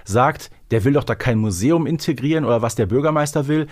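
A man's voice: medium pitch, fairly quick, darkish tone. A man co-hosting a podcast, chatting casually and retelling a story, often ending on tag questions. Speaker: podcast co-host.

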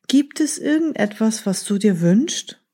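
A scheming grown man who hides his lies behind friendly words, read by a woman telling a storybook tale. The voice is mellow and slightly husky, and the delivery is slow. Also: a little high, expressive.

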